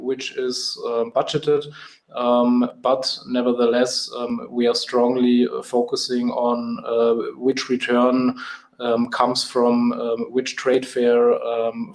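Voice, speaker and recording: A man giving halting, repetitive answers as a company executive on an earnings call. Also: medium pitch, darkish tone. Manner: halting, repetitive, hesitant delivery. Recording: roomy, echoey conference call.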